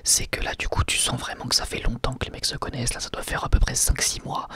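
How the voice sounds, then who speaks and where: A man giving a whispered ASMR review of an anime episode, soft and unhurried, full of hesitations and casual slang. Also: medium pitch, flat delivery, breathy edge, no room sound.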